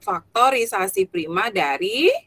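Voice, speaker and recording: A woman's voice: mid-range voice, big pitch swings, a little slow, gravelly, fairly bright tone, slightly rough. A woman teaching an online class over a video call. Her audio is choppy and glitching, and she patiently asks the class questions and repeats their answers. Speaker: primary school teacher.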